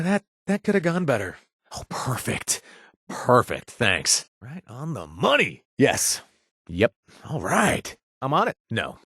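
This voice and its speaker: An actor playing a gruff, washed-up ex-raider who now runs a bar, sardonic and joking one moment, earnest and grateful the next, in video game voice lines. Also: male voice, mid-range voice, a bit bright, no room sound, clean studio sound, full character voice. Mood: wry. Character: gruff washed-up male ex-raider bartender, wry. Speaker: game companion character.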